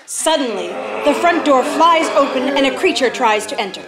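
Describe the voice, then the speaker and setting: A woman's voice: sits high, expressive, moderate pace, very noisy. A woman in her thirties giving dramatic scripted narration for a radio play on a stage. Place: theater stage. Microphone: stand microphone. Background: loud music.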